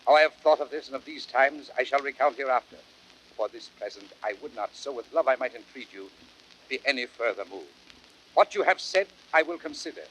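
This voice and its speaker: An actor playing a grave, reserved, honourable Roman nobleman in a measured, formal Shakespearean style. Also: mid-range voice, expressive, fairly bright tone, natural voice. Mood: guarded, earnest. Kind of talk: classical Shakespearean radio drama acting. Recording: noisy vintage spoken-word drama record.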